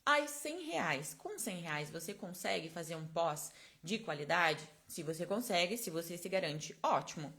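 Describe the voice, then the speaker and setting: Chatty lower-voiced woman. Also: normal speed, hardly any pauses, fairly bright tone. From Brazil. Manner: chatty, explanatory, constant tag questions. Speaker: esthetics course instructor. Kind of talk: live online class. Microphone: close personal microphone.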